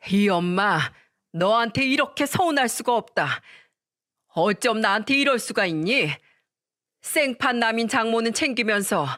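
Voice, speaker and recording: A woman's voice: a little high, fairly bright tone, no echo, studio quality. Woman voicing a pushy old mother-in-law. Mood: whining. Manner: wailing, theatrical complaining.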